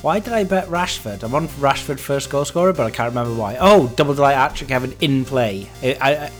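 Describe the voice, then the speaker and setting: A man's voice: medium pitch, animated, a little fast. A man giving an unscripted, casual podcast monologue as host, rambling and interrupting himself, talking over a fan in a home office. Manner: rambling, self-interrupting, mildly sweary. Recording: voice over fan noise, faint music. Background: fan running nearby, television on.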